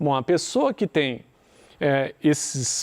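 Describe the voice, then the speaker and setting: Fairly high-pitched with ordinary pitch variation, a man has an unremarkable speaking voice, recorded dry and close with no echo. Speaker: science teacher. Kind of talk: lecture.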